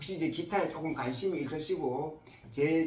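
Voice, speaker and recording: Noticeable background noise and audible room echo accompany a man speaking at a fairly slow pace. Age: 60s. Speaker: retired professional guitarist. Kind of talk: casual talk to camera. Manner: chatty.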